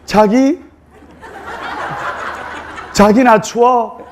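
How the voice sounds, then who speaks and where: A man's voice: very high-pitched, steady tone, very slow, slight background noise, exaggerated voice. A man voicing a coy newlywed bride from Seoul who speaks in a cutesy, sing-song way.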